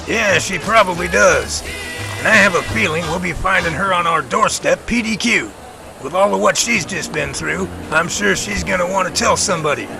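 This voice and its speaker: A man's voice: high-pitched, moderate pace, over music. An actor playing a folksy, sensible man who dryly teases his friend in an audio drama. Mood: easygoing. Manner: dry, folksy teasing. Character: folksy sensible man, wryly teasing his sweet-toothed pal. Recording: clear outdoor and car noise.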